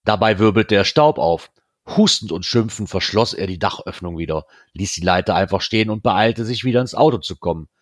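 A man reading a novel aloud in a steady, even storytelling manner. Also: on the low side, brisk, no room sound, clean studio sound. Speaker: reader.

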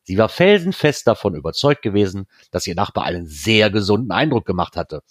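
Man reading a novel aloud, lowish voice, steady, dry close sound. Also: brisk, slightly rough, no room sound. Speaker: reader.

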